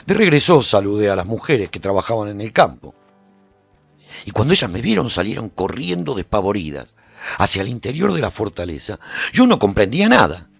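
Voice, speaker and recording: Gravelly, brooding apocalypse survivor. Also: male voice, on the low side, sing-song, a little fast, no room sound, lo-fi sound, soft background music, heavily acted. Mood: tense recounting. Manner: theatrical, brooding, with rhetorical questions. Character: bewildered, uneasy male survivor of an apocalypse, recounting his escape. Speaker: narrator and radio program host within the serial. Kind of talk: dramatic first-person radio serial narration.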